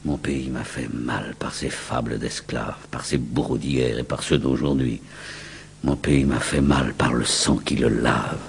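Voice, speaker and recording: A man reciting verse in a grave, declamatory, solemn dramatic style with a husky voice. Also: a bass voice, steady tone, unhurried, a little hiss or hum. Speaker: poetry reciter.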